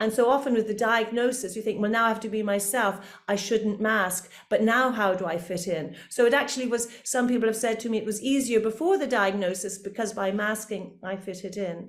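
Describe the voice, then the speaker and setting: A woman speaks at a fairly quick pace with hardly any pauses. Her fairly high pitch has ordinary variation. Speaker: therapist. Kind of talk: interview. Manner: fast; energetic.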